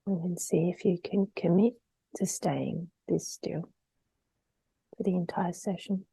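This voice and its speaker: A woman leading a guided meditation in a soft, breathy, gentle voice, unhurried and trailing towards a whisper between long pauses. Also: lowish voice, fairly even intonation, no echo.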